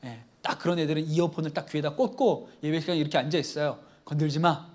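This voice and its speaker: A middle-aged male pastor preaching a Friday evening sermon, telling stories lively and acting out bits of dialogue. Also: a little high, quick pace. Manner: lively storytelling, acts out dialogue.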